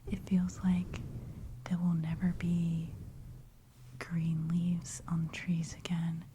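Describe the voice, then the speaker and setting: A woman in her thirties giving a soft, encouraging whispered ramble for ASMR, full of "like" fillers, close on the mic. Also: fairly low pitch, completely flat delivery, takes it slowly, a little hiss or hum. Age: 30s. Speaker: ASMR creator. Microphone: close studio mic with brushing.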